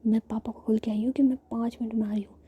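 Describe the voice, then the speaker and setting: A woman's voice: fairly high pitch, flat delivery, fast, mellow, breathy edge. A woman whispering the lines of a flustered young woman who pleads and grumbles. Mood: exasperated. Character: young woman torn between work and her partner.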